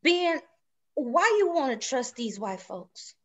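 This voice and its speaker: A woman acts out a worried, stubborn wife in a period drama read. Her voice sits a little high. She scolds in plain rural Southern phrasing, protective of her family. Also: big pitch swings, takes it slowly, full character voice. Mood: distrustful, scolding. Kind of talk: dramatic script table read.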